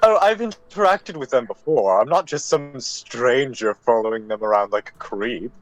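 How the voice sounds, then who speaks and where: A man's voice: medium pitch, lively intonation, moderate pace, soft background music, lightly acted, low-quality recording. A man playing a friendly, proud ghost musician in an improvised tabletop game, with a formal, huffy manner. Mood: indignant. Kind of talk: improvised tabletop role-play.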